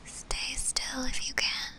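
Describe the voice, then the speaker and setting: A woman playing a shy, gentle, lovestruck zombie girl in an intimate ASMR roleplay, speaking hesitantly and tenderly. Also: takes it slowly.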